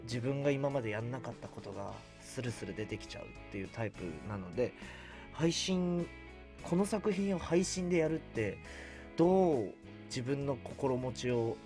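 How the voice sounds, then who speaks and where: A man guesting on a casual radio show, telling anecdotes in an animated way and searching for words, recorded in a studio. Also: medium pitch, moderate pace. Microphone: studio boom microphone, wearing face mask. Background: background music.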